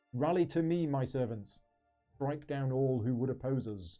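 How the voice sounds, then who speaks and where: Faint music plays in the background as a put-on character voice growls along at a moderate pace. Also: man, medium pitch for a man. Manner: growling, menacing.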